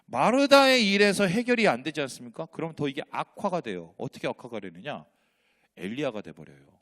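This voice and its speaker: A man's voice: fairly high pitch, sing-song, brisk, a bit bright. A man, a pastor, preaching a sermon with rhetorical questions and acted-out dialogue in changing voices. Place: church sanctuary.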